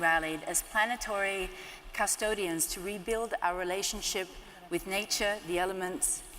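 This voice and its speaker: A woman with an Australian accent talks at a moderate pace in a medium pitch, her tone bright and sharp and her intonation fairly even. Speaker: award presenter. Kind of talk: speech announcing awards. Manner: halting, stumbles over words.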